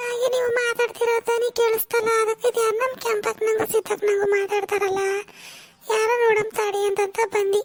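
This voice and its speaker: A woman's cartoonish character voice at an extremely high pitch, fairly slow and monotone with flat intonation, in a dry, close sound with no echo. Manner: sly, plotting asides.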